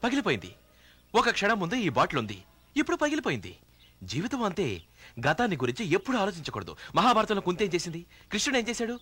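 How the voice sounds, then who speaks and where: A man's voice: huge pitch swings, fast, fairly bright tone, slightly rough, no echo, exaggerated voice. An actor in a film playing a brash young man who lectures and taunts a woman in a preachy way. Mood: mocking. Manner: taunting, preachy, sweeping swings in pitch. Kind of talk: film dialogue. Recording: movie soundtrack with music behind.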